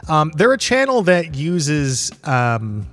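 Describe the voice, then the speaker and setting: A man's voice: on the high side, very animated, slow, fairly bright tone. A man hosting a solo podcast in a casual, rambling, conversational way. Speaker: podcast host.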